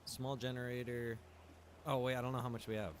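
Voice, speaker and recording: A man streaming a survival game, talking casually and thinking out loud with the odd chuckle as he plays. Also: mid-range voice, little pitch movement, a little fast, slight background noise. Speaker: streamer and game server developer. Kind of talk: live-stream gameplay commentary.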